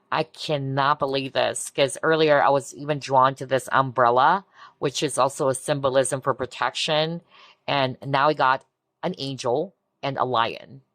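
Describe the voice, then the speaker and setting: A woman giving a collective tarot reading in a soft, reassuring way, often breaking into amazed exclamations. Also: low voice, dry recording. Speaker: tarot reader. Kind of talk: pick-a-card tarot reading.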